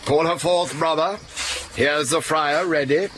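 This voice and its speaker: A man playing a genial older father of the bride in a classic stage comedy, speaking in a measured, fatherly way. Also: fairly high pitch, very noisy, lightly acted.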